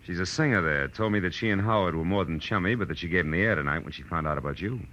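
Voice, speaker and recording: Very deep-voiced hard-boiled detective. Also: male voice, very fast, pushed and bright, lo-fi sound. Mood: wry, hard. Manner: clipped, slangy, hard-boiled. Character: hard-boiled male private detective, tough and wry. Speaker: actor playing the lead and narrating. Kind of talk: 1940s radio detective drama acting. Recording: old radio recording with music.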